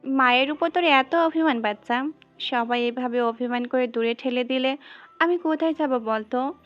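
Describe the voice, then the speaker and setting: A woman's voice: high-pitched, normal speed, fairly bright tone, dull audio, faint music behind. A woman playing a tender young mother in an audio story, coaxing and playfully scolding her pet bird. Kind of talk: audio story character acting.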